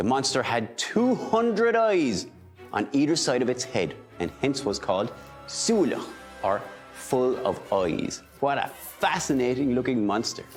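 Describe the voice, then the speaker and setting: A man's animated voice at a fairly slow pace, with very even loudness and music in the background. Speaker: primary school teacher. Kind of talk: educational storytelling to children. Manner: animated, engaging.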